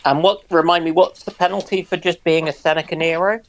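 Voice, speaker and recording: A man in a casual panel chat, explaining things haltingly and circling back over his phrases. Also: a little high, fairly even intonation. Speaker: discussion panellist.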